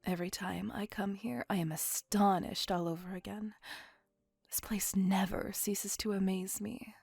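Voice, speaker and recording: A woman's voice: mid-range voice, fairly even intonation, unhurried, creaky, slightly rough, no room sound. Woman voicing a whispering possessive vampire lady. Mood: tender. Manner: soft whispering, formal old-fashioned phrasing. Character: possessive centuries-old female vampire on a date. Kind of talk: ASMR roleplay. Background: faint music.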